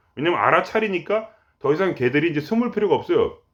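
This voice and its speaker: A man talks at a fairly quick pace. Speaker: meditation teacher. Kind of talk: lecture. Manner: rough blunt way of talking; casual, halting with fillers.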